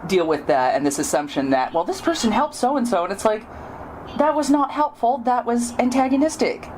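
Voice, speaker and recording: A woman's voice: a little high, sing-song, normal speed, a little mellow, slight background noise. A woman hosting a podcast, chatting casually in an interview and acting out what other people say in a chatty way. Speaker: podcast host.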